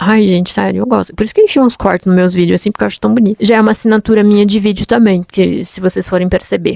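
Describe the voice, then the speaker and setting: A woman talks at a very fast pace with a dry, close sound and no echo. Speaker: content creator and YouTuber. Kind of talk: casual vlog talk to camera. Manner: animated.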